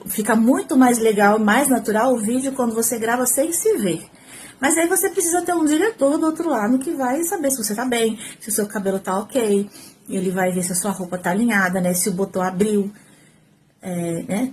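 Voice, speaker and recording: A woman's voice: mid-range voice, slight background noise. Chatty Brazilian woman teaching camera skills. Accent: Brazilian Portuguese. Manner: talkative, animated, gestures while speaking. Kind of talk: casual tutorial to camera. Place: at home, indoors. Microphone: phone, front camera.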